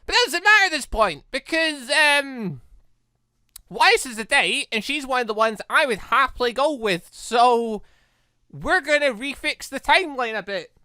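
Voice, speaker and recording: A gaming video host with a chatty, animated manner, giving casual commentary and reading game text aloud. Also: high voice, normal speed, no room sound.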